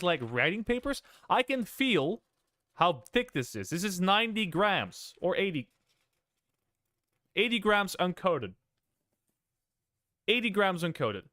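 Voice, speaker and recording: A young man with a fairly high, smooth voice, chatting on a livestream. He rambles, restarts, and keeps breaking off mid-story to thank viewers. The sound is dry and close. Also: sharp tone, no room sound. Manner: rambling, self-interrupting, thanks viewers between story bits. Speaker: streamer. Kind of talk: casual livestream chat.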